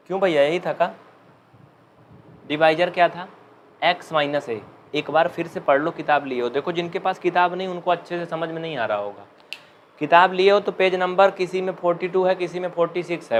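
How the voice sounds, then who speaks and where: A young man with an Uttar Pradesh Hindi accent teaching maths in a live online class, chatting and joking, and dictating slowly. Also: fairly high pitch, slight background noise.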